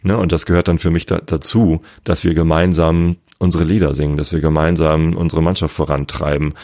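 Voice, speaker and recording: A hoarse man chatting casually about a football match, full of fillers and restarts. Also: extremely low pitch, level tone, a little fast, warm tone, dry recording, studio quality. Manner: hesitant, many fillers and restarts. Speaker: football fan guest. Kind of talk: casual conversation.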